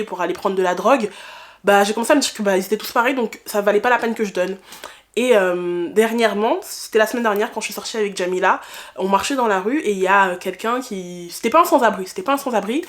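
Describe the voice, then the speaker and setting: A woman, talking casually and candidly to her viewers in a reflective personal vlog, repeating phrases for emphasis. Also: medium pitch. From France. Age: 20s. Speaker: vlogger.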